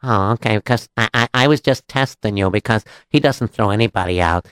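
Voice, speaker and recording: A man's voice: fairly low pitch, brisk, a bit bright, clear, resonant tone, no echo, clean studio sound, close to an everyday voice. A man voicing a wry, teasing Jewish townsman in a story, with a knowing, drawling manner. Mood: teasing, admonishing.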